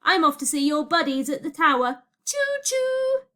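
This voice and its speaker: A woman's voice: sits high, big pitch swings, normal speed, pushed and bright, pitched above the performer's own voice, exaggerated voice. A woman voicing a gleeful, mocking male god villain in a storybook with a taunting singsong.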